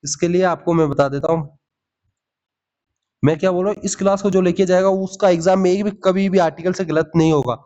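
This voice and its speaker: A man teaching English grammar in for exam prep, lively, often asking "ठीक है?" and calling his students "भाई". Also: high-pitched, a little fast. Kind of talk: Hindi grammar lesson with English examples. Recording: slightly dull lo-fi audio.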